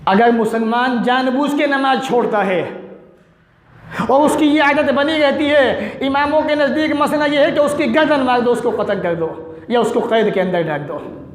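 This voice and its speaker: High-voiced preacher in an echoey hall. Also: male voice, unhurried. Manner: urgent, rhetorical, chanting lists of sins. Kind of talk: fiery sermon.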